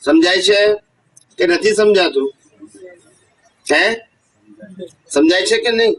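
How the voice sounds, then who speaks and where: A man with a high voice delivers a devotional talk to a gathering. He tells stories and keeps asking his listeners whether they have understood. His voice is picked up from some distance away from the microphone. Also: expressive, slow, a bit bright, breathy edge. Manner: storytelling with rhetorical questions. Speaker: spiritual teacher.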